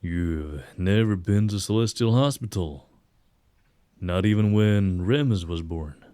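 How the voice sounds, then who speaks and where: A man plays an easygoing werewolf who tries to smooth things over in an audio drama. His voice is fairly low and his tone is relaxed and conciliatory. It is recorded dry and close. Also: unhurried, dry recording. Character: easygoing male werewolf, peacekeeping friend. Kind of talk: fan audio drama acting.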